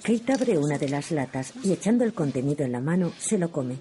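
A woman giving calm, neutral audio description of a film scene. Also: deep voice, brisk. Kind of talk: scripted audio description narration.

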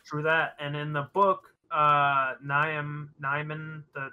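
A man's voice: fairly high pitch, flat delivery, slow, clean tone, muffled recording. A man chatting casually and informally as a co-host discussing a film, swearing freely. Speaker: podcast co-host reviewing a horror film. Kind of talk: casual chat.

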